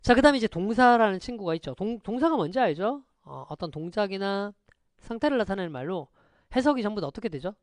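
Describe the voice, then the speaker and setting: A male teacher gives an online lecture in a dry, close-sounding voice. His pitch swings widely as he fires quick rhetorical questions at students. He slides between polite and casual speech. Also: sing-song, dry recording. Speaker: English teacher.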